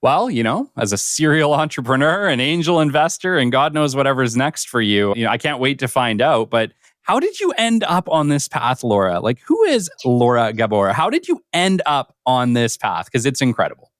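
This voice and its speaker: Male podcast host, upbeat and gushing, dry close sound, mid pitch. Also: very animated, normal speed, hardly any pauses, a bit bright, no echo. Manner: enthusiastic, effusive praise. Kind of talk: podcast interview.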